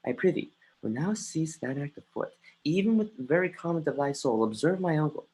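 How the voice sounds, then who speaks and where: An actor playing an earnest, brooding young prince in a Shakespeare stage reading, with a husky voice and halting delivery. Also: male voice, on the high side, expressive, darkish tone, rough recording. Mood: earnest confiding. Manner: halting, restarts phrases mid-line. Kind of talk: dramatic reading of Shakespeare, often stumbling. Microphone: home computer mic on a livestream.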